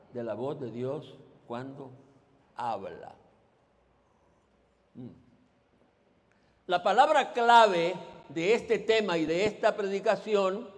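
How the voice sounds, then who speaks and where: A male pastor preaching a sermon, asking the congregation to repeat after him and throwing out questions. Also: sits high. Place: church sanctuary. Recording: long church reverb.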